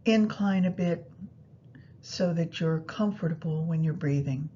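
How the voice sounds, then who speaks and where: A woman guiding a meditation practice in a soothing, unhurried manner, pausing between phrases. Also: warm tone. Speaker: yoga nidra meditation guide. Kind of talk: guided meditation instruction. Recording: muffled, low rumbling background noise.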